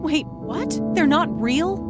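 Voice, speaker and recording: A woman's voice: high-pitched, lively intonation, slow, over loud music. An actress playing a polite, uneasy young female night-shift receptionist in a horror game. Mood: questioning, uneasy. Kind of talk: video game voice acting.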